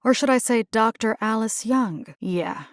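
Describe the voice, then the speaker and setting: Game role: actress as young Latina combat rescue engineer. Tough, wry, slangy, very dry studio sound. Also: female voice, a little high, measured pace, no echo, lightly acted. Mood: focused, serious. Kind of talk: video game character voice lines.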